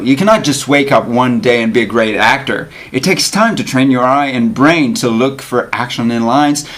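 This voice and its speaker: A man reading an essay aloud as an actor would, with lively, emphatic and deliberate phrasing. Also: medium pitch. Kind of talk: expressive read-aloud of an essay.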